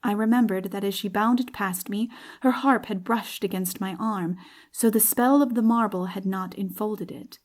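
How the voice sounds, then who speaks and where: A woman's voice: medium pitch, steady tone, moderate pace, a little mellow. Woman giving a dramatic audiobook reading. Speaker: audiobook narrator. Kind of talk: dramatic literary audiobook narration.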